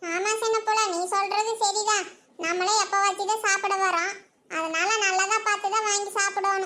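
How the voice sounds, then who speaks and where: A woman puts on a cartoonish character voice at an extremely high pitch. Her intonation is monotone and flat, and her loudness stays very even. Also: moderate pace. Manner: colloquial village Kongu Tamil, homely.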